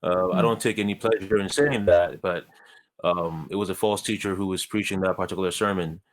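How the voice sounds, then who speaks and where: Deep voiced guy from ghana, calm and earnest, cracks a joke at himself now and then. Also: low-quality recording. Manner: measured and earnest, with light self-deprecating humor. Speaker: guest. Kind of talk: telling his life story in a conversation.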